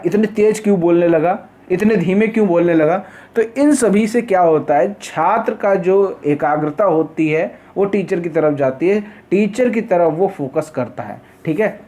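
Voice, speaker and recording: Hindi quiz teacher, man, higher voice. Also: darkish tone. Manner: asks viewers to comment answers, repeats each question. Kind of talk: exam quiz lesson.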